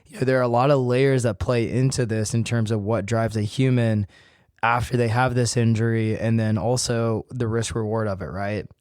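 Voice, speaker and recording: A man hosting his own podcast and talking casually to listeners, his voice a little hoarse from illness. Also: mid-range voice, fairly even intonation, normal speed, a little mellow, dry recording, studio quality. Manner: conversational, addresses listeners directly. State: voice worn from illness, slightly hoarse. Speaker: podcast host and physical therapist. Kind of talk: solo podcast talk.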